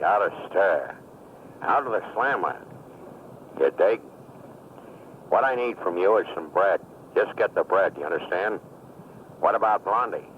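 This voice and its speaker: A man's voice: low voice, narrow, tinny audio, a little hiss or hum. A man playing a streetwise ex-convict who talks pushy jive slang, heard on an old worn answering-machine tape. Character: fast-talking male ex-con just out of prison.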